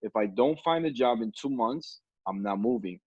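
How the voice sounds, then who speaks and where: A man's voice: medium pitch, animated, normal speed, a little mellow, breathy edge, dry recording. A man in his late twenties hosts over a video call, spinning a story in an easy, laughing way. His mid-range voice sounds dry and slightly muffled, like a plain webcam mic. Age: 20s. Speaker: podcast host. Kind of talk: casual chat on a video call. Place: indoor room at home.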